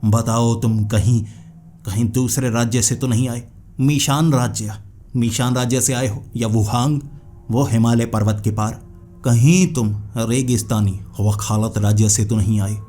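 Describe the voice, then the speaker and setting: A man's voice: mid-range voice, fairly even intonation, a little slow, dark tone, soft background music, lightly acted. A man playing a probing ancient royal minister. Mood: interrogating. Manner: probing, questioning.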